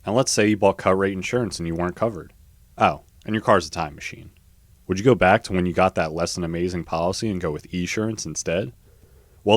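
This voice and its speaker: A man's voice: sits low, dry recording. A man working as a voiceover artist, reading scripted narration and advertising copy.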